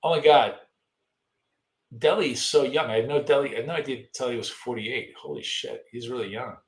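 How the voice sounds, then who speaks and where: His voice growing hoarse over a long live trading stream, a man talks fairly quickly in a mid-range voice. He wanders casually between market commentary and viewers' questions, and the room has an echo.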